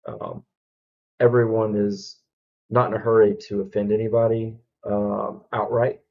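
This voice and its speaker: A man from Alabama with a Southern accent, reacting to a video in casual commentary, halting with many ums and restarts. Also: lowish voice, little pitch movement, vocal fry, phone-quality sound.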